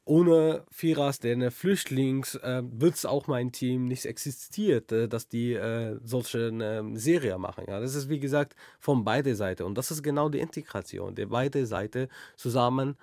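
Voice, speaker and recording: A young man, a comedian answering interview questions in halting with many fillers. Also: medium pitch, warm tone, no echo, studio quality. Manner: halting non-native German, thinks aloud with many fillers.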